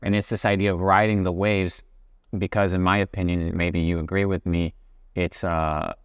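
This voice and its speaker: A man hosting a casual interview, asking probing questions with halting restarts. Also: low voice, flat delivery, clear, resonant tone, no echo, studio quality. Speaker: interview host.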